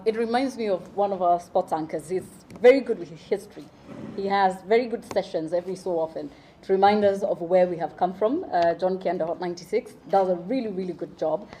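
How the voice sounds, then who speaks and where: Lady emcee, warm mellow voice, polite intros. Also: lowish voice, fairly quick, a little hiss or hum, low-quality recording. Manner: polite, filler-laden. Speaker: event host. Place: event venue.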